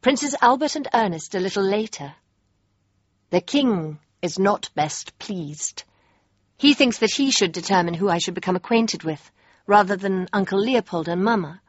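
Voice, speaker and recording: A young actress playing an earnest, spirited princess, with a crisp, refined way of speaking. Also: female voice, medium pitch, lively intonation, moderate pace, no room sound, lightly acted. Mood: reflective. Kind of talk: period drama acting and diary narration. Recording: dull dry lo-fi with faint music.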